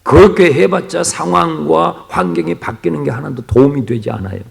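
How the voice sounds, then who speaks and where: A man preaching an early-morning sermon, his fairly high voice rough with gravel. He drops to hushed near-whispers, then rises to loud exclamations, and keeps putting questions to his congregation. The long echo of a church hall trails each phrase. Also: moderate pace. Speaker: pastor. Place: church sanctuary.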